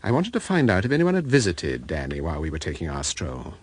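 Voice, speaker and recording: An actor playing an urbane, observant gentleman detective in a radio drama. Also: low-pitched, huge pitch swings, fast, breathy edge, full character voice. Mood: confiding. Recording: loud train noise behind.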